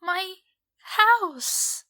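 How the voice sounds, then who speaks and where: A woman's voice: very high voice, expressive, very slow, sharp tone, no echo, exaggerated voice. A woman playing an anxious, doubtful young female homeowner in an audio drama, with incredulous delivery. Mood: dismayed.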